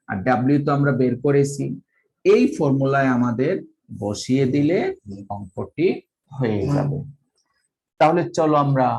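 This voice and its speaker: A man from Bangladesh lecturing on math, talking slowly and methodically and dictating each formula step by step. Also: mid-range voice, darkish tone, low-quality recording.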